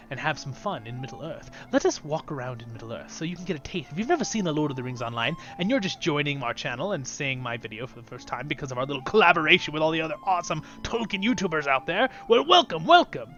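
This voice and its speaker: Chatty upbeat guy hosting a game vid, voice a bit on the high side, soft music behind. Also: very animated, fast talker, lo-fi sound. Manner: upbeat, chatty, drifts into softer asides. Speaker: YouTube channel host. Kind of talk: casual gameplay commentary.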